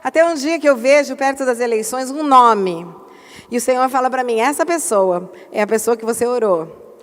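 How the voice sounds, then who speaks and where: High-voiced woman pastor, hall echo. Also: normal speed. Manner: animated storytelling with emphatic outbursts. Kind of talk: church conference talk.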